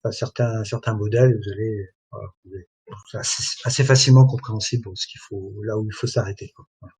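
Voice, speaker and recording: A man presenting and demoing software in a webinar, talking in a halting way and filling pauses constantly. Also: lowish voice, fairly even intonation, breathy edge. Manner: hesitant, many fillers like voilà and hein. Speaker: product presenter.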